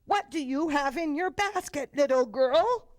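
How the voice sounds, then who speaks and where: A woman's voice: sits high, lively intonation, measured pace, no echo, studio quality. A woman voicing a bossy, exasperated childish puppet who corrects others in a children's puppet show, emphatic and insistent.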